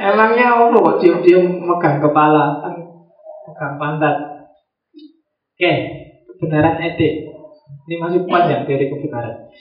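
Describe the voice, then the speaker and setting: A man giving a relaxed, joking philosophy lecture to a class. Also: a little high, unhurried, pauses often. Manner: joking, conversational, acts out little quoted exchanges. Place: classroom with students. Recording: roomy, dull lo-fi classroom recording.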